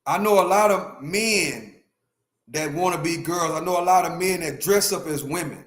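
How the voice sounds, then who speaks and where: A man's voice: fairly high pitch, moderate pace, fairly bright tone, reverberant. Emphatic fifty-something man ranting to chat. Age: 50s. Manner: emphatic, repetitive, talks to chat. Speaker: livestream host. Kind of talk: opinionated livestream rant.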